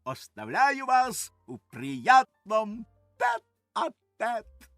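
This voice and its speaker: A pompous, self-pleased visitor who drawls his fancy phrases, as a man puts him on. His voice is pitched up and slow, and it sounds thinner than the reader's usual tone. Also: huge pitch swings, a bit bright, no echo, studio quality, soft background music, full character voice. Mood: smug.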